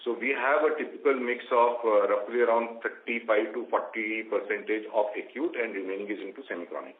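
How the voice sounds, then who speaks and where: A man with an Indian accent answering questions formally as a company executive on an earnings call, in a measured, hesitant way. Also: on the low side, fairly even intonation. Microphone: conference call line. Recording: phone-like, roomy conference call line.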